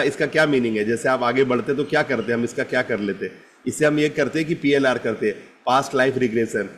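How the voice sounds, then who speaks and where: A man's voice: medium pitch, slight background noise. Man coaching a live group session. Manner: direct, addresses participants by name, repeats "ठीक है ना?". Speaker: self-help coach.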